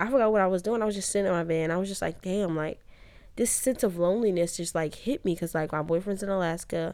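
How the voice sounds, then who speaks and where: Her voice at medium pitch, a woman talks at a very fast pace in an animated tone. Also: ordinary pitch variation, very clean recording, silent background. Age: 20s. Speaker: podcast host. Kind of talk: casual solo monologue.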